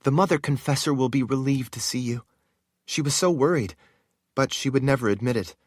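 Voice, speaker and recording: A man's voice: mid-range voice, brisk, no echo, studio quality, pitched above the performer's own voice, lightly acted. A man voicing an earnest, urgent woman, a devoted sorceress.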